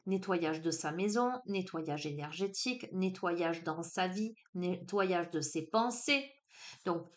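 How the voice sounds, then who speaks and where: A woman with a southern French accent, giving a spiritual card reading. She talks hesitantly with many fillers, then turns emphatic. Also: medium pitch. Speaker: oracle card reader.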